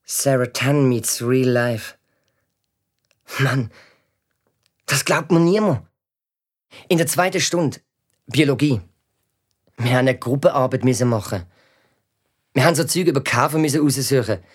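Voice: mid-range voice, measured pace, pauses often, slightly rough. A performer doing a sulky gamer schoolboy. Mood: annoyed. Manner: sulky, sarcastic, grumbling. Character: cheeky gamer schoolboy, grumpy and mocking. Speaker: narrating lead character. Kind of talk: children's audio drama.

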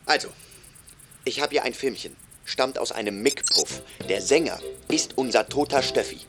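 A man's voice: mid-range voice, lively intonation, moderate pace, over music, close to an everyday voice. A man in a radio drama, reporting facts in a dry, matter-of-fact way to a colleague. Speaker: colleague on the phone.

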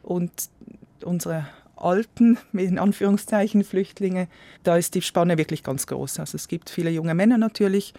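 Reflective man, soft trailing. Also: high-pitched, moderate pace, dry recording. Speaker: guest, volunteer program coordinator. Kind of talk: interview conversation.

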